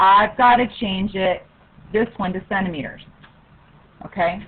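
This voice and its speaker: A woman talks at a moderate pace while noticeable background noise fills the recording. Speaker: math teacher. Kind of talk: classroom lesson. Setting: classroom with students.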